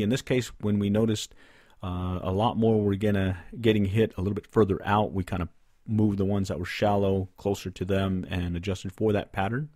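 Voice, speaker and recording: A middle-aged man recaps a fishing trip for his podcast, drifting through his points with frequent "uh"s and restarts. His voice sits low, and the close studio microphone gives it a dry, dead sound with no room around it. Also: a little mellow, dry recording. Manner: rambling, many "uh" fillers and restarts. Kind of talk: casual solo podcast recap. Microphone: studio condenser mic on stand, close.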